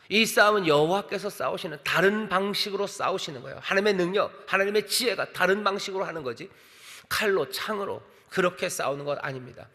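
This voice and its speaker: Bright-voiced male pastor preaching in a hall. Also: high voice. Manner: expressive preaching, acting out quoted dialogue. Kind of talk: sermon. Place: large church sanctuary. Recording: church sanctuary with long reverb.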